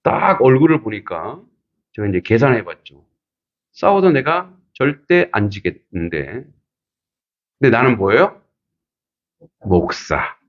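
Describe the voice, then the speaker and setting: A middle-aged man preaching as a pastor, telling a personal story with lively acted-out quotes and frequent laughter. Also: mid-range voice, unhurried, pauses often, dull audio. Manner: animated, acts out quotes, laughs often. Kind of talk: sermon with storytelling.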